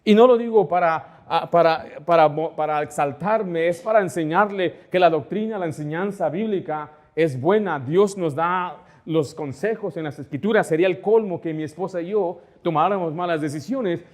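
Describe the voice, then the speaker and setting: A man's voice: on the high side, moderate pace, few pauses. A middle-aged man pastor preaching a sermon in church, asking the congregation rhetorical questions and acting out quoted conversations.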